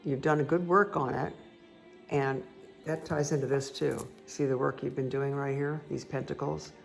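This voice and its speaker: A woman with a croaky voice giving a casual, chatty tarot card reading that speaks directly to the listener. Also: a bass voice, fairly even intonation, moderate pace. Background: background music.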